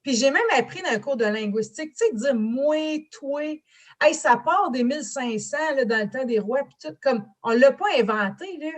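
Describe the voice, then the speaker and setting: Woman, chatty, fast, mixes in English, higher pitch. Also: animated. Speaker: panelist, marketing and branding teacher. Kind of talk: casual panel discussion.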